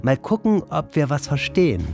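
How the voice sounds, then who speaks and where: A man's voice: fairly high pitch, sing-song, normal speed, music in the background. A man hosting a children's program, interviewing a child and explaining things in a friendly, patient way.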